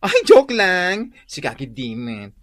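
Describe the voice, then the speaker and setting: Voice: mid-range voice, huge pitch swings, slow pace. A performer playing a sassy, effusive gay cousin in an Ilocano radio drama, exclaiming and teasing.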